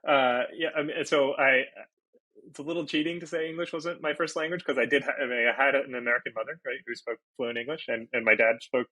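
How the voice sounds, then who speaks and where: A man's voice: medium pitch, steady tone, fast talker, bright, forceful tone, no echo, poor audio. A Portuguese-native man from Brazil, a podcast guest, talking casually and thinking aloud with many fillers and restarts. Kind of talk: casual interview talk.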